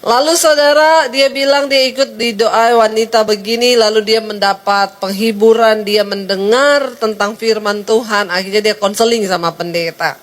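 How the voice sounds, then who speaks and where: A woman's voice: fairly high pitch, normal speed, few pauses. A middle-aged woman pastor preaching, telling a story and acting out the voices of the people in it. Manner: lively storytelling, acting out quoted voices, singing snatches of a hymn. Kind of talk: sermon.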